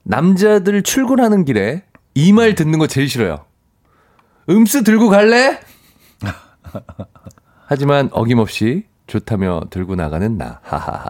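A man's voice: mid-range voice, measured pace. A man co-hosting a radio show, chatting casually, reading listener messages and laughing often. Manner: playful, laughs often, animated. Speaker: radio co-host.

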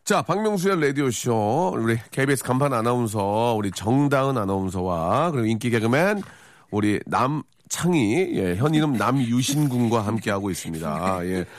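A man's voice: mid-range voice, expressive, moderate pace, no echo. A middle-aged man hosting a radio show in a studio, bantering playfully and teasing his co-hosts with puns. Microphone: studio mic.

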